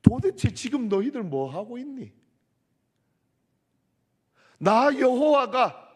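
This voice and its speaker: A man preaching, voicing an angry God scolding a fearful army, loud and high. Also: breathy edge, exaggerated voice. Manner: scolding loudly.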